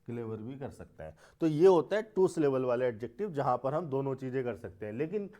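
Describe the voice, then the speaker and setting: A man's voice: medium pitch, animated, a little fast, warm tone. A man teaching an English grammar lesson, explaining step by step with repeated words and rhetorical questions.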